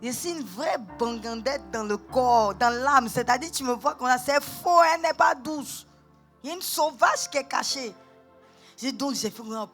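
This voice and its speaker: High-voiced woman pastor, animated storytelling. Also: normal speed, faint music behind. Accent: Gabonese French. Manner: animated, acts out quotes, switches between calm and shouting. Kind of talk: sermon with personal storytelling. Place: church.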